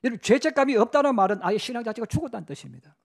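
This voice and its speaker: High-voiced Korean pastor preaching. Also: male voice, lively intonation, rapid-fire, gravelly. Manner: storytelling with acted quotes, conversational asides. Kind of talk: sermon. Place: church sanctuary.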